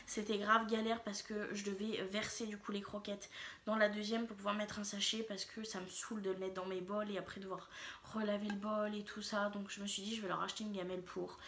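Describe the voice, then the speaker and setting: A woman's voice: medium pitch, little pitch movement, brisk, fairly bright tone, slight background noise. A woman talking casually to her viewers in a shopping haul vlog, chatty and rambling, with frequent hesitations and fillers. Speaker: vlogger.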